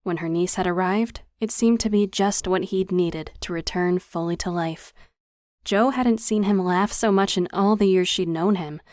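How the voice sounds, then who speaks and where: A woman narrating a novel at a measured, even storytelling pace, her voice pitched on the low side. The recording sits close to the mic and is completely dry, with no room sound. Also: no echo. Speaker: audiobook narrator. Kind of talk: scripted narration.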